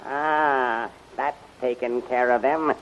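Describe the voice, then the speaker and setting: Slow-spoken commanding rebel general, old radio. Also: male voice, medium pitch, fairly even intonation, a bit bright. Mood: resolute. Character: commanding rebel general loyal to his queen. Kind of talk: 1930s radio serial acting. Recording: muffled, hissy 1930s radio recording.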